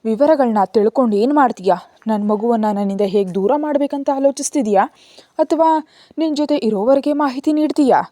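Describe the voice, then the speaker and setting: A woman's voice: a little high, a little fast, warm tone, dry recording, clean studio sound, close to an everyday voice. Arjun, a stern young father, read by a woman. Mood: angry. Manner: curt, commanding. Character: stern wealthy young father, guarded and commanding.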